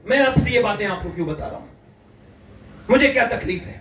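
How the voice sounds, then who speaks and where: Fervent high-voiced male preacher, echoey. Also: expressive, a crowd in the background. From India. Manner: fervent, rising to loud emphatic peaks. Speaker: Islamic preacher. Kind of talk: impassioned sermon. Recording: echoey hall, distant mic, faint ambience.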